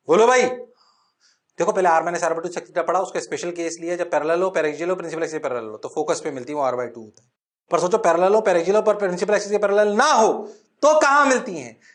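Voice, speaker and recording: Male physics tutor, high voice, playful sing-song coaxing, exam-prep lecture, drops English terms. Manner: mixes English terms into speech. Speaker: physics teacher.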